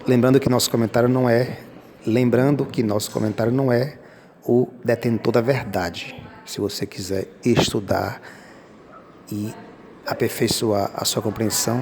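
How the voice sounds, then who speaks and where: A man explaining Portuguese grammar rules step by step as a teacher, patiently repeating key points and speaking directly to viewers. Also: mid-range voice. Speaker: teacher commenting on exam questions.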